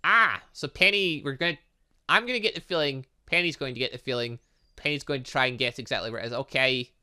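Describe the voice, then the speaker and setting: A man giving let's play commentary on a game, excitable and reactive, reading dialogue aloud as he goes. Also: medium pitch, quick pace, clean tone. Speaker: gaming channel host.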